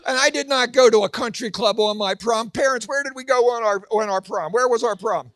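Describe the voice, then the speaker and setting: A man in his sixties doing a Christian stand-up comedy routine, telling animated stories and acting out voices and shouts. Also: extremely high pitch, brisk, no room sound. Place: large event hall with an audience.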